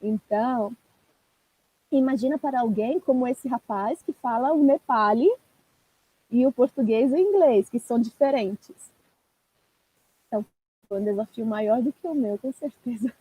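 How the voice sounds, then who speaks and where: Brief woman guest, mellow husky voice, easy chatty live-stream talk. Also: fairly high pitch, moderate pace, pauses often, no room sound, rough recording. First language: Italian. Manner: chatty, laughs often, addresses viewers as "gente". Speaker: guest language teacher. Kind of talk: casual live-stream conversation.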